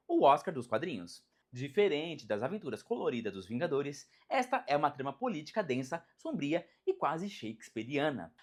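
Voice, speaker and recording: A narrator with a Brazilian accent reading a scripted video essay in a dramatic, emphatic storytelling way. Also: mid-range voice. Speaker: narrator of a video about animated superhero films.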